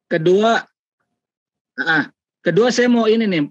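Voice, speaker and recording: A man's voice: sits high, no room sound. Man on a choppy call that keeps breaking up. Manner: halting, broken-off phrases. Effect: choppy online call audio that keeps breaking up. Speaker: audience member asking a question. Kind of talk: casual question in an online session. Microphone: remote video call. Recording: dull, dry lo-fi call audio.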